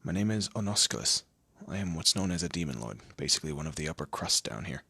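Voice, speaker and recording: A man's voice: a bass voice, lively intonation, fast talker, vocal fry, pushed and bright, breathy edge, dry recording, exaggerated voice. A man voicing a smug, teasing demon lord in a scripted audio roleplay, with a theatrical, condescending manner and amused asides. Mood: haughty, commanding. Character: smug, teasing male demon lord, proud torturer and bureaucrat.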